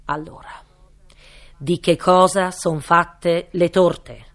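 A woman's voice: fairly low pitch, fairly even intonation, takes it slowly, a bit bright. A woman voicing a fretful king who grumbles anxiously in a storybook reading. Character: fretful timid male king.

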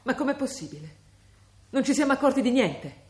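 A woman's voice: sits high, very animated, brisk, a little mellow. A frightened, resolute mother. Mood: alarmed. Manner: tense, urgent. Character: frightened middle-aged mother under threat, resolute. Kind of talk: TV drama acting.

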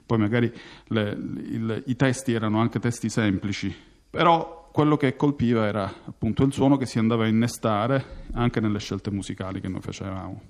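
A man's voice: fairly low pitch, fairly even intonation, normal speed. A man from Sicily, a musician, talking reflectively in an interview and often searching for his words. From Palermo, Sicily.

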